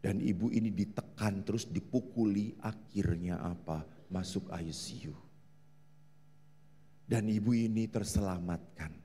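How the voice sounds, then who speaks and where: A man's voice: lowish voice, a little slow, dark tone, breathy edge. A man preaching a humorous sermon to a family seminar as a Catholic priest, quizzing the audience. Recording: long hall reverb.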